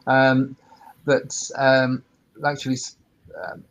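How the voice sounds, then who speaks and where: A man's voice: medium pitch, completely flat delivery, slow pace, a bit bright, poor audio. A man giving informal expert explanations on a webinar panel, hesitant and often repeating his words. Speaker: sound engineer and workspace operator, panelist.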